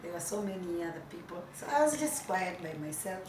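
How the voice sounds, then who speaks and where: A Tanzanian woman whose first language is Swahili, a guest talking softly and laughing easily in a casual interview. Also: lowish voice, lively intonation, brisk. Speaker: guest, musician and restaurant owner. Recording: roomy, distant, noisy ambience.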